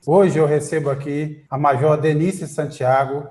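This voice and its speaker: A man's voice: fairly high pitch, steady tone, unhurried, a little mellow. A man hosting a political interview, reading a scripted introduction and then asking long questions with many fillers. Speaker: interview host. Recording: echoey room.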